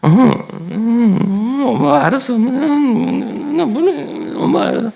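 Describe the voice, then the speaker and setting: A man's voice: extremely high pitch, measured pace, vocal fry, mellow, voice pushed up, full character voice. A man voicing a whiny, hesitant little boy who mumbles to his mother.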